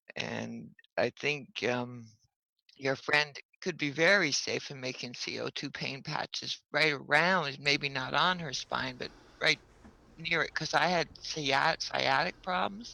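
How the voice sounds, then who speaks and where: A bright, sharp voice with vocal fry and ordinary pitch variation, at a very slow pace, on a very clean recording with a silent background. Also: man, fairly high pitch for a man. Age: 60s. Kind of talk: casual chat.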